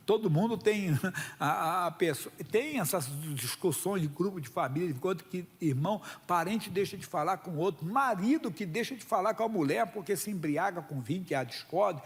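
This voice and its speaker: A man's voice: high-pitched, breathy edge, in a large hall. A man with a Brazilian Portuguese accent preaching a sermon at a church service, emphatic and folksy, often calling listeners brother. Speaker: pastor.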